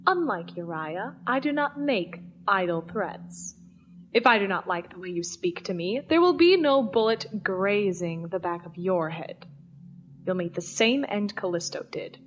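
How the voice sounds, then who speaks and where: An actress playing a cold, commanding villain in an audio drama, measured and menacing in manner. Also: female voice, medium pitch, expressive, a little hiss or hum, lightly acted. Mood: cold threat. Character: cold, commanding female villain, leader of conspirators.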